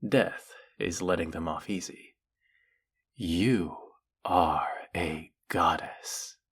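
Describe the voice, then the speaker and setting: A man playing a flirty, fanatically devoted demon familiar in a dramatic audio roleplay, with fawning, formal diction and a breathy, husky voice. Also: deep voice, extremely slow, a bit bright, heavily acted. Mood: fanatical worship. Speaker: voice actor. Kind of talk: dramatic roleplay monologue spoken to the listener.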